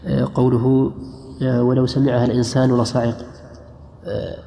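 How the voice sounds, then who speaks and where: A man reading texts aloud in a lesson for a teacher, in a steady, even voice. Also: medium pitch, a little fast, creaky, a little hiss or hum. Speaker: student reader. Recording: dull lo-fi recording in an echoey hall.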